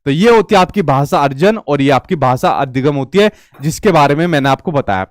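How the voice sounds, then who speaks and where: A man's voice: on the high side, expressive, fairly quick, no echo, clean studio sound. A young man with a Hindi accent teaching an online exam-prep lesson, often restating points and checking in with listeners. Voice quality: repeats "ठीक है" and restates points.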